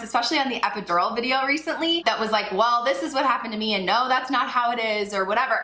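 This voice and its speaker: Bright, echoey chatty woman vlogger. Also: fairly high pitch. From Ecuador. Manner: chatty and upbeat, many likes and slashes. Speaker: birth coach. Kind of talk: casual vlog explainer. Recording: echoey room.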